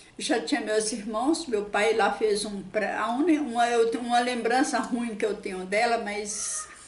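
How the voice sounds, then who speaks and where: A woman's high-pitched voice with lively intonation and audible room echo. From Brazil, Minas Gerais (rural, near Augusto de Lima). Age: 60s. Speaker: daughter of former bandits, interviewee. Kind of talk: interview, life story. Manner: halting, repeats words.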